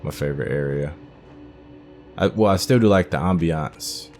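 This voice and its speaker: Very deep-voiced man thinking aloud while gaming. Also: normal speed, darkish tone, soft background music. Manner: thinking aloud, muttering to himself. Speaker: gamer, video game playthrough host. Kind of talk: casual, unscripted gameplay commentary.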